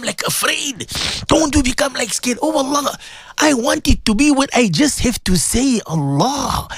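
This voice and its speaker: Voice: sits high, gravelly, a bit bright, dry recording. A person leading an impassioned live Muslim supplication, pleading tearfully with God in repeated, emotional invocations. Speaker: Muslim prayer leader giving a supplication. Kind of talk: impassioned live broadcast prayer.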